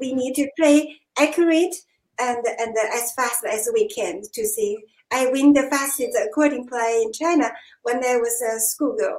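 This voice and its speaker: A woman with a non-native accent, high in pitch with ordinary pitch variation, at a fairly slow pace. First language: not English. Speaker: musician, accordion player. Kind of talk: storytelling in casual chat. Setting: video call.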